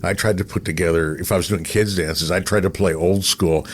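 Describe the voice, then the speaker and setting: Low-voiced middle-aged American man telling stories. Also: steady tone, a little fast. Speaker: radio show host and broadcaster. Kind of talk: casual anecdotal chat.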